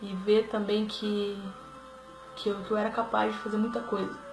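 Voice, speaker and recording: Medium-pitched woman's voice with monotone, flat intonation, audible room echo and music in the background. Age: 20s. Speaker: person who stutters sharing her story. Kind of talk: testimony. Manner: halting, with repetitions.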